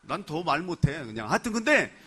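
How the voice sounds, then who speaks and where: A male pastor from Chungcheong preaching in a lively, conversational way, acting out people's words and putting questions to the congregation. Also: on the high side, fairly quick, slightly rough. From Chungcheong, Korea. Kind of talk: sermon.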